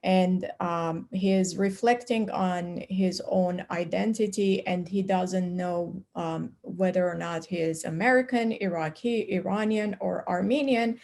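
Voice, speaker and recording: Slow-paced woman interviewer, measured. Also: fairly low pitch, fairly even intonation, creaky, a little mellow. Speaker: interviewer, academic discussant. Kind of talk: moderated literary conversation.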